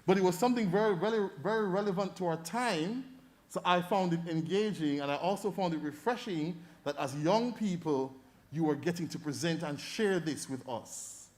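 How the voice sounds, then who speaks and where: This is a high-voiced Jamaican man in middle age, sharing feedback from the judges' table. He talks in an animated, coaching way, often acting out voices to make his point. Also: normal speed. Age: middle-aged. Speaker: debate judge. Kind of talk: feedback speech to an audience.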